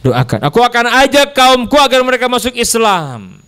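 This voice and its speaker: A preacher plays a proud male tribal chief who talks bluntly and forcefully, his voice swinging up and down with energy. He sounds like a man used to being obeyed. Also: mid-range voice, animated, moderate pace, pitched below the performer's own voice, lightly acted. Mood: earnest. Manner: blustering, blunt.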